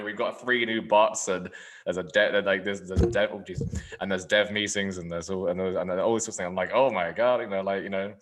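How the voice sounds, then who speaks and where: Man, podcast host, low voice, fast rambling talk, lots of fillers. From England. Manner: rambling, filler-heavy, trailing off quietly. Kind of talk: casual podcast chat.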